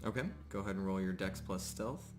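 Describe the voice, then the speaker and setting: A man narrating a live tabletop roleplaying game as game master, often pausing mid-sentence as he describes things. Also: low voice, steady tone, a little hiss or hum. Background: music.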